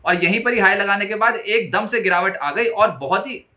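Man, Indian accent, high voice, bright forceful tone, market news presenter, emphatic delivery. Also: lively intonation, normal speed. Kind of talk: market roundup commentary. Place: studio, indoors before a branded backdrop.

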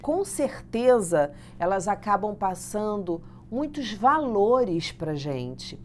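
A woman's voice: mid-range voice, very animated, slow pace, a little mellow, a little hiss or hum. A woman interviewing a guest in a studio, affirming his answers and asking follow-up questions.

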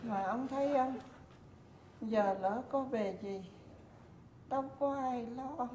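A frail old wife in a stage comedy sketch, whining and complaining. Her voice sits fairly high. The recording is roomy, with clear noise behind. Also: slow, warm tone. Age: older. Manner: plaintive, complaining.

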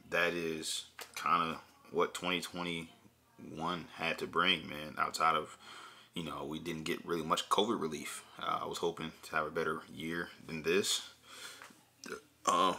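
A man's voice: a bass voice, vocal fry, pushed and bright. A young man hosting a bowling channel, chatting casually at home with a laid-back, rambling manner and many fillers. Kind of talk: casual review chat. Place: home room with shelves, indoors.

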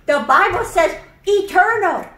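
A woman voicing a kindly, excitable teacher puppet in a children's church show, explaining things simply and emphatically with exaggerated cheer. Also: very high-pitched, measured pace, heavily acted. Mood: gentle, instructive. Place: indoor church room, puppet stage. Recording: roomy, echoing church room.

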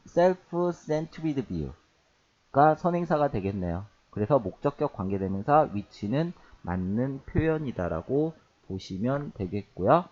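Guy teaching grammar for an exam, asks and answers his own questions, warm low tone, kinda dull lo-fi sound. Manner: reads English phrases slowly, then translates. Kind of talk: exam-prep grammar lecture.

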